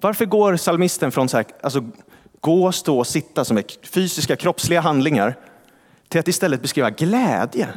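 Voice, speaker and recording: A man's voice: fairly high pitch, animated. Man preaching in a reverberant church. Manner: conversational, rhetorical questions, quoting scripture slowly. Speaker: pastor. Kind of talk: sermon. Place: large church hall.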